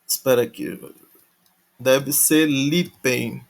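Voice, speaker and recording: A man's voice: mid-range voice, fairly even intonation, takes it slowly. A man teaching a grammar lesson in a casual, thinking-aloud way. He restarts often and spells out verb endings syllable by syllable. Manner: thinks aloud, many restarts and tag questions. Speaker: Greek teacher.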